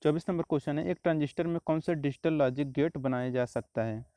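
A man's voice: a little high, fast, dry recording. Man explaining exam answers, dry close sound. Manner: steady explanatory, repeats answers, frequent "तो देखिए" and "आपका". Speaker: exam prep teacher. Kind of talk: explaining exam questions over slides.

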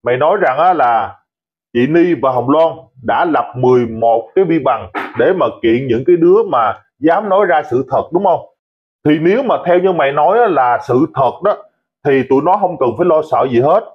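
A man's voice: fairly high pitch, animated, normal speed, husky, highs cut off. A man giving a heated, mocking commentary monologue, scolding and insulting his critics. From Vietnam. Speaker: online commentator.

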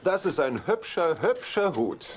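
An actor playing a sly, mocking middle-aged bachelor in a dubbed sitcom. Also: male voice, fairly high pitch, sing-song, unhurried. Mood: amused, teasing. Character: smug, teasing, worldly bachelor brother. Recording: noisy TV soundtrack with background ambience.

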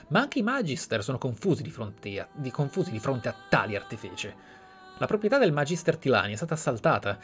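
A man's voice: medium pitch, close to an everyday voice. Man reading as a formal, stern commander. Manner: formal, matter-of-fact.

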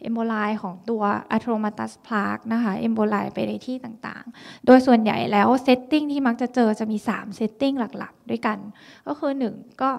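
A woman physician lectures on skin signs of heart disease, explaining each point patiently. Her voice sits a little high and has a gravelly edge. She scatters English medical terms through her talk. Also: darkish tone. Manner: explanatory, mixes English medical terms, frequent polite particles. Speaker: dermatology lecturer.

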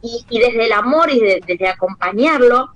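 An Argentine woman with a high voice tells stories in a casual interview. She is animated and slips into the voices of the people she describes. The recording sounds slightly dull and lo-fi. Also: normal speed. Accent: Argentine Rioplatense. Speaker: children's singer, guest.

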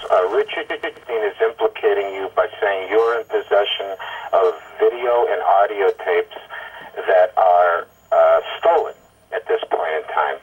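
An exasperated, profane man leaving rambling, irate voicemails over the phone, halting and stammering over repeated words. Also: on the low side, slightly rough. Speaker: caller leaving voicemail messages. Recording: tinny, muffled telephone voicemail line.

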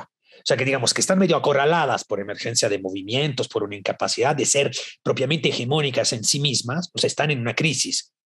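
Italian-born academic, 50s, Mexican accent, husky voice, animated and halting lecture delivery over webcam. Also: male voice, medium pitch. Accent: Mexican Spanish over an Italian base. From Italy. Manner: animated, gestures a lot, many fillers and restarts. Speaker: invited lecturer. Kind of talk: academic lecture on video call. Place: home study with bookshelves. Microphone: webcam on a video call.

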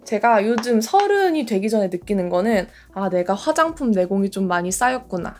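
A woman's voice: medium pitch, sing-song, normal speed, a little mellow, faint music behind. A woman in her late twenties chatting casually in a skincare vlog, gushing about products as she applies them. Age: late 20s. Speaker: beauty creator. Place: bedroom in front of a door.

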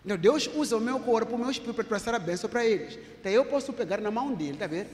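A male apostle preaching and demonstrating healing before a congregation, talking emphatically and repeating himself, sometimes rising to shouts. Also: high voice, expressive, racing. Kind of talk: sermon with live healing demonstration. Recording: echoey hall with faint noise.

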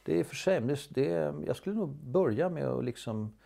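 A man's voice: fairly high pitch, animated, vocal fry, warm tone, voice pushed up, exaggerated voice. A man voicing a young woman actress who gives friendly, encouraging advice. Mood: advising. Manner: encouraging, explaining.

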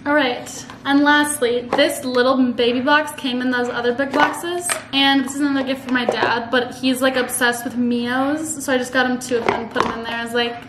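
A woman's voice: high voice, level tone, normal speed, few pauses. A young woman chatting to camera while wrapping gifts at home, bubbly and full of "like" fillers, recorded on a camera across a table. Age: young adult. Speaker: vlogger. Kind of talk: casual chat to camera. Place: living room at home, indoors. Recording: echoey room with background noise.

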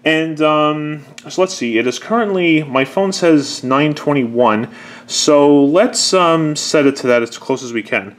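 A man's voice: a little high, measured pace. A man talking casually and unscripted, explaining a product step by step in a conversational way. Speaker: presenter demonstrating an old answering machine.

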